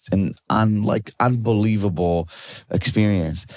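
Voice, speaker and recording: Speaking very slowly, a man with an Israeli accent has a fairly low-pitched voice. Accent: Hebrew. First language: Hebrew. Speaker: stand-up comedian. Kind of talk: casual interview chat.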